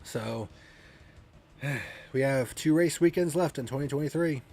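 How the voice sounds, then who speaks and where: A man's voice: mid-range voice, unhurried, mellow, a little hiss or hum. Congested man ranting bluntly. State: congested from a cold. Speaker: racing review host. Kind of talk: casual spoken review.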